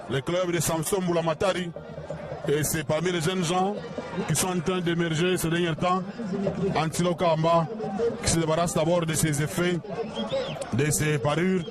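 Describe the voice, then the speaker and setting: Male ringside commentator with a slightly high voice, excitable play-by-play over a cheering crowd. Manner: excited, with rhetorical questions. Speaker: wrestling commentator. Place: outdoor wrestling event. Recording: crowd noise behind.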